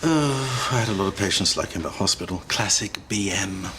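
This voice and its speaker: An actor playing a pompous, theatrical doctor with a British accent in a naturalistic TV drama. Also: male voice, low-pitched, animated, fairly quick, background noise. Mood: dismissive, sardonic. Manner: theatrical, mock-indignant, wordy. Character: pompous, jokey new male doctor at a surgery.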